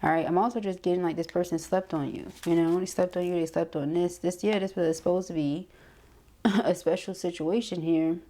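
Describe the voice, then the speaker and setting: Female tarot reader, lowish mellow voice, conversational delivery with frequent check-ins. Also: fairly even intonation, fairly quick. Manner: conversational, punctuated with frequent check-in tags like okay and right. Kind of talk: casual intuitive tarot reading to camera.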